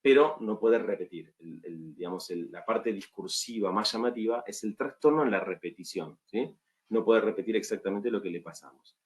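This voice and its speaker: Man, argentine spanish accent, lower pitch, online lecture, frequent tag questions. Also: moderate pace. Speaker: medical school lecturer.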